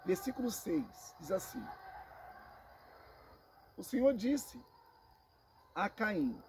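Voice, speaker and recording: A Brazilian man with a Brazilian Portuguese accent teaching a Bible sermon, slow and emphatic, repeating phrases and calling listeners brothers. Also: high voice, very animated, gravelly, a little hiss or hum. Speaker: preacher.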